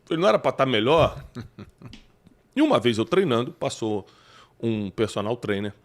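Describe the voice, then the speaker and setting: A man's voice: medium pitch, very animated, moderate pace. A man with a Brazilian Portuguese accent hosting a podcast conversation, talking in an emphatic, preacherly way and citing scripture. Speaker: podcast host.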